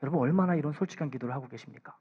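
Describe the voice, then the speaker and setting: Guy preaching in church, kinda high voice, drops to near whispers then pushes loud, muffled lo-fi recording. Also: racing, breathy edge. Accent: Korean. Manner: pleading, swings between soft hushed asides and raised emphatic lines. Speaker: pastor. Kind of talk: sermon. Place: church sanctuary.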